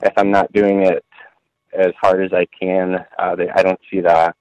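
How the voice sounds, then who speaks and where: A man with a very low, flat voice speaks over a phone line in a dry, close sound. He answers in a laid-back way, trailing off and filling gaps with "uh". The delivery stays even and unhurried. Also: clear, resonant tone, no echo. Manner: laid-back, many "uh" fillers and trailing sentences. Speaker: off-road buggy racer guest. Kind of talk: casual interview answers.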